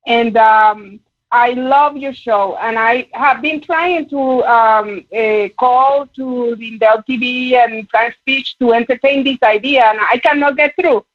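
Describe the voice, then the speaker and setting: A woman with a Puerto Rican accent calling in to a talk show, speaking earnestly with halting pauses. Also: a little high, no room sound. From Puerto Rico. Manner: earnest, halting, many fillers. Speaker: caller. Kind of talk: call-in chat. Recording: dull phone line.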